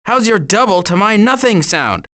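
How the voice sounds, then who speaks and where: A wisecracking cartoon animal for a video game. He is cocky and glib, with lively, swinging intonation and a breezy way with a quip. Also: high-pitched, normal speed.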